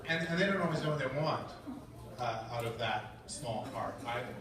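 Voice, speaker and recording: A man's voice: mid-range voice, lively intonation, moderate pace, a crowd in the background. A man, a voice actor, answering fan questions on a convention panel in a jokey, self-deprecating way. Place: large convention hall. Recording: echoey hall, camera far from stage.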